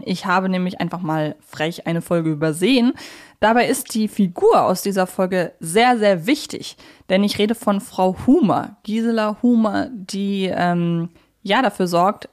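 A woman's voice: medium pitch, moderate pace. Chatty woman co-hosting a podcast. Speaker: podcast co-host. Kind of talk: casual podcast chat about audio drama characters.

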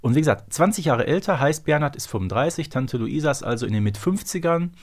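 A man's voice: on the high side, expressive, quick pace. A man of forty co-hosting a casual fan podcast, explaining things in an analytical way. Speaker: podcast co-host.

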